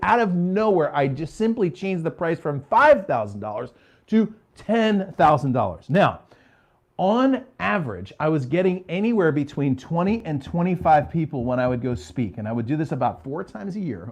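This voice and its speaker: A man's voice: fairly high pitch, a little mellow. Middle-aged man telling business stories. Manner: conversational, checks in with "okay?". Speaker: business coach. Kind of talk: storytelling business talk to a live audience. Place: home office.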